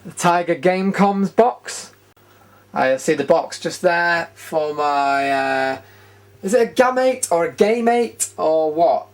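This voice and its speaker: A man's voice: on the high side, animated, slow pace. A British man hosting a retro gaming show, casually narrating a room tour in an informal, rambling, enthusiastic way.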